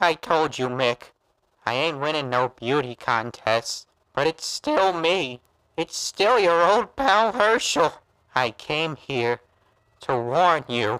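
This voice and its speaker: This is a put-on character voice at a middle pitch. It proceeds at a fairly slow pace. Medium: audio drama. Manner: street-tough gangster slang.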